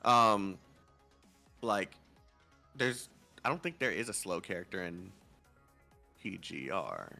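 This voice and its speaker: A man hosting a casual gaming livestream, animated and swearing casually, just woken up. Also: sits low, slow pace, gravelly, long pauses, faint music behind. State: just woke up. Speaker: livestream host.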